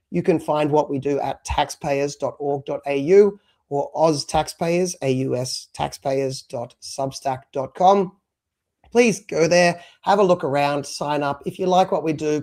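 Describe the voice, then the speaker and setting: Casting: rambling male podcast co-host, slightly high voice, loose and chatty. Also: darkish tone. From abroad, moved to Australia at three. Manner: chatty, rambling with many fillers. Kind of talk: casual live stream chat.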